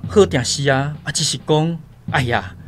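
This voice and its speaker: Guy as protective young tribal hero, taiwanese accent, lightish high voice, earnest radio drama, bit of music behind. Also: moderate pace, natural voice. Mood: worried. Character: brave, protective young tribal man, the heroine's sweetheart.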